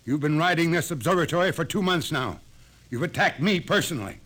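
Stern, indignant, highish-voiced scientist. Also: male voice, lively intonation, brisk, fairly bright tone. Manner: curt, haughty, emphatic. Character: stern, indignant male astronomer, proud scientist. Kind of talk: 1950s radio drama acting.

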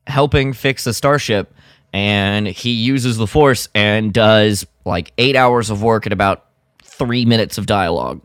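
A man's voice: fairly low pitch, unhurried, fairly bright tone, no room sound, studio quality. A man co-hosting a podcast, talking in casual fan chat. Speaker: podcast co-host.

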